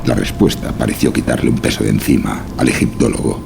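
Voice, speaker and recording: Extremely deep, gravelly male horror narrator. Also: big pitch swings, fairly quick, noisy background. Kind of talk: dramatic horror audiobook narration.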